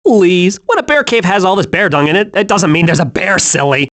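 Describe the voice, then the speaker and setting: A hyperactive young male cartoon squirrel for a video game. His voice sits very high and swings wildly up and down. He is childlike, naive and scatterbrained, always eager and cheerful. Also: animated, brisk, a bit bright. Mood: earnest, scatterbrained. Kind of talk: animated video game voice acting.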